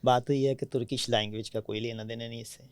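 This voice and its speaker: A man's voice: mid-range voice, fairly even intonation, clear, resonant tone, dry recording. A man from Pakistan, a podcast guest, with a Punjabi-tinged Urdu accent, recounting his experiences in a chatty storytelling way and often checking in with the listener. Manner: anecdotal, frequently asks "theek hai?" to check understanding. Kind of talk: conversational storytelling.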